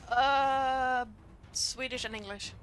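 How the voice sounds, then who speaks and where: A woman with German as her first language, running a tabletop game as game master, talking in halting bursts full of fillers. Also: high voice, steady tone, fairly bright tone, a little hiss or hum. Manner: halting, many fillers, quick laughs. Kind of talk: narrating a tabletop game and chatting.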